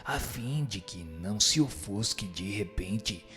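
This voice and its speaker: A man with a Brazilian accent playing a wise, solemn spirit who instructs patiently in a scripted radio drama, in a measured way. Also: on the low side, expressive, a bit bright, soft background music. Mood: solemn, instructive.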